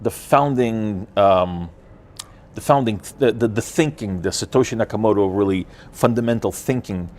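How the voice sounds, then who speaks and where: Deep-voiced man. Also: a little mellow. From Ukraine. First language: Russian. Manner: halting, many fillers and restarts. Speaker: guest explaining blockchain tech. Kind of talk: casual interview answers.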